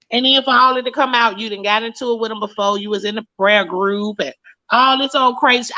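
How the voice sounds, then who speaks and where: A woman's voice: on the high side, bright, forceful tone. A blunt, profane woman, hosting a casual talk show. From Mississippi, US. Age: late 30s. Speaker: host. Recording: lo-fi stream audio.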